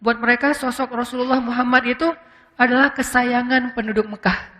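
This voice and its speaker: A man preaching in a casual, conversational lecture, with frequent fillers and English words mixed in. He slows into a solemn voice when acting out quoted speech. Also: very high-pitched, flat delivery, pushed and bright, long reverb tail. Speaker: Islamic preacher.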